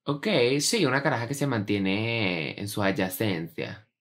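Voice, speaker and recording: Deep-voiced man bantering. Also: expressive, measured pace, a bit bright. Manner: joking, slangy banter. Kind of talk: casual chat.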